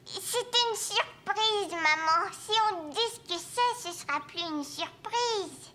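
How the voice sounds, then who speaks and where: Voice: very high-pitched, expressive, slow pace, sharp tone, a little hiss or hum, full character voice. A performer voicing an eager, childlike little boy in a French children's cartoon. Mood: earnest. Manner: childlike, emphatic. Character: eager little boy, sweet and easily disappointed.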